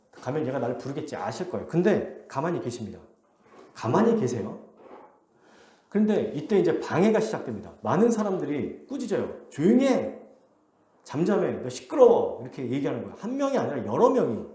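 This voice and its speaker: A man preaching in a church sanctuary, his pitch leaping up and down as he acts out the voices in the story. His tone is mellow and dark, and the room gives his voice a roomy echo. He keeps asking his listeners questions as he goes. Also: very animated, fairly quick. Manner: asks the congregation questions. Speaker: pastor. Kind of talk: expository sermon.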